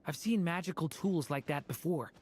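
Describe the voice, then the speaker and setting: A woman voicing a gentle, thoughtful young dragon boy in an anime video game, soft-spoken and earnest. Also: low voice, moderate pace, husky. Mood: determined.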